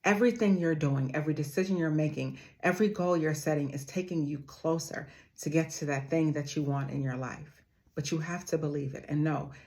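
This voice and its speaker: A woman with a notably deep, low-pitched voice delivers a motivational talk straight to her viewers. She speaks earnestly and addresses them like family. She slows down to repeat her key phrases for emphasis. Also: gravelly. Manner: calls her audience "family".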